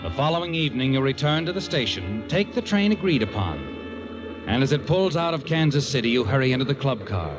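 An American actor playing an insinuating, all-knowing narrator who needles the character in a 1940s radio thriller. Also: male voice, mid-range voice, big pitch swings, fairly quick, close to an everyday voice. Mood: taunting, suspenseful. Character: the Whistler, taunting all-knowing male narrator of crime tales. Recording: muffled old radio recording under music. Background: dramatic music.

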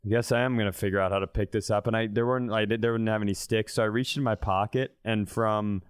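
Clear-voiced man in his thirties, comic storyteller. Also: fairly low pitch, fairly even intonation, fast, no echo, studio quality. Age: 30s. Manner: profane, self-deprecating. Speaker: comedy podcast co-host. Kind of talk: casual comic storytelling and banter.

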